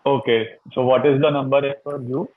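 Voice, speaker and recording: Tinny dry phone audio, man, Indian accent, mid pitch, analyst, hesitant probing questions. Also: little pitch movement, a little fast, no room sound. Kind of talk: conference call questioning. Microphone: phone call. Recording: tinny narrow phone line.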